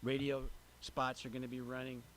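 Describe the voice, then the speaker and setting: A man with a mid-range voice gives an informal update at a public meeting. He is plainspoken and hesitant, often pausing on filler sounds, with some room noise behind him. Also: mid-range voice, monotone, a bit bright. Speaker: transportation agency representative giving a public update. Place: city council chamber, public meeting. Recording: noticeable background room noise.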